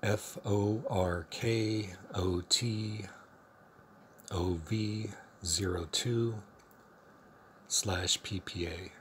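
A man narrating a step-by-step software tutorial in a plain, instructional manner. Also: lowish voice, fairly even intonation, drawn-out words, pauses often, slight background noise. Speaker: tutorial presenter.

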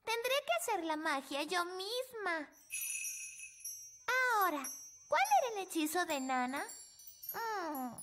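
Impatient little princess for kids' cartoon: piping childish voice, measured pace, music underneath. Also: female voice, extremely high pitch, exaggerated voice. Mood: determined. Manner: childlike, bossy, excitable. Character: eager, impatient little fairy princess girl. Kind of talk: Spanish children's cartoon dub. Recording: loud music and jingles behind voice.

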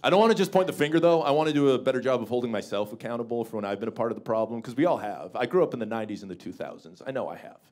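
A man in his thirties from Canada, with a deep voice, doing a stand-up set into a handheld mic in a small comedy club. He talks in a wry, self-mocking way and breaks into bursts of mock bluster. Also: lively intonation, racing, hardly any pauses, a little mellow. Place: small comedy club stage with a seated audience. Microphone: handheld stage microphone.

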